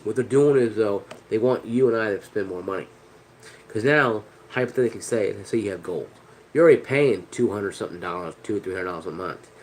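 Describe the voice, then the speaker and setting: A man's voice: lowish voice, brisk, a little hiss or hum, low-quality recording. A man with a head cold and a nasal, stuffy voice, ranting casually to camera in a rambling, frustrated way with lots of restarts and the odd curse word. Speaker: vlogger.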